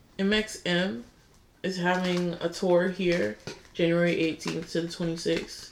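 A woman's fairly low voice at a very slow pace, with ordinary pitch variation and noticeable background noise. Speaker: podcast co-host. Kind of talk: casual chat. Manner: animated.

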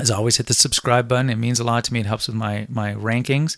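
This man has a normal speaking voice, medium in pitch, with fairly even intonation at a fairly quick pace. The sound is dry and close, with no echo. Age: 40s. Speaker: health coach and podcast host. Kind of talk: casual monologue.

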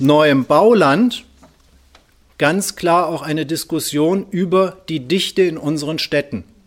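This man talks at a very slow pace. His pitch sits fairly high. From Germany, Cologne. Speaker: economist. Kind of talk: lecture. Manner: formal.

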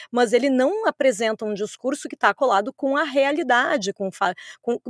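A high-pitched woman's voice, showing ordinary pitch variation, comes through with a dry, close sound and no echo. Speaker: political commentator. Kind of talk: casual political discussion. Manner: halting.

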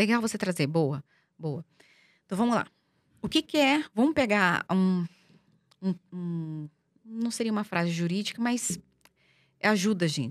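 A woman talks at a fairly slow pace with long, frequent pauses and very wide pitch swings, the sound dry and close with no echo. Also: medium pitch for a woman. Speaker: clinical psychologist. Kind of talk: interview.

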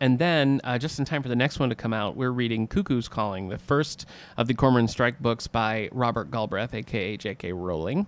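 Over a silent background on a very clean recording, a man speaks in an unremarkable speaking voice at medium pitch with ordinary pitch variation. He keeps a moderate pace with hardly any pauses. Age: 30s. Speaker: podcast co-host. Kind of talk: casual chat. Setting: library.

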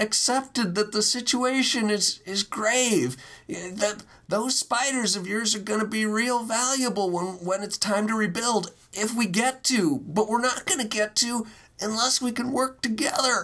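A put-on character voice, whiny and fairly high in pitch. The whiny tone carries at a moderate pace. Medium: actual play. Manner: blustering, whiny.

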